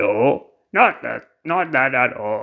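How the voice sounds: A man performs in a put-on character voice. His pitch sits fairly high.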